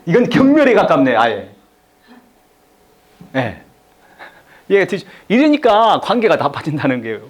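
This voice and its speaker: A man's voice: a little high, wildly swooping pitch, normal speed, pauses often, slightly rough. A middle-aged man giving a live lecture to an audience, repeating key phrases and having them echo him back.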